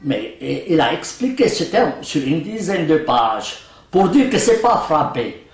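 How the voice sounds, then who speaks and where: An older man whose first language is Arabic, speaking in a casual interview as a translator, animated and joking with vivid comparisons. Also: a little high, measured pace. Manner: animated, laughs often, jokes with vivid comparisons. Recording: roomy sound from some distance.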